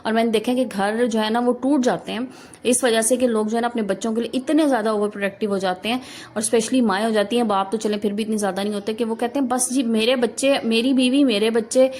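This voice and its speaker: A woman's voice: fairly high pitch, fairly even intonation, fast, darkish tone, a little hiss or hum. A woman in her thirties from Pakistan, speaking with a Pakistani Urdu accent, gives earnest, instructive family advice straight to her viewers in a casual vlog. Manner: earnest, instructive, addresses viewers directly with frequent rhetorical "na". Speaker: housewife vlogger. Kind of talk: advice talk to camera.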